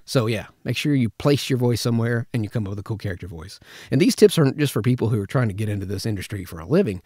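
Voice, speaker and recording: A man with a fairly low voice teaches voice acting. He talks in a casual, conversational way, as in an informal tutorial. The recording is close and dry. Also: animated, quick pace, darkish tone, breathy edge, no room sound. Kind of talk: informal instructional talk with vocal demonstrations. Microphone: close studio microphone, spoken slightly to the side.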